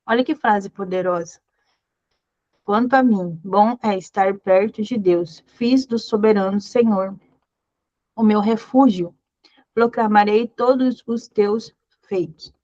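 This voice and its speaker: A woman's voice: mid-range voice, takes it slowly, mellow, no echo, highs cut off. A woman leading a Bible study, encouraging her listeners with repeated phrases and reading scripture aloud. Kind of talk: devotional teaching.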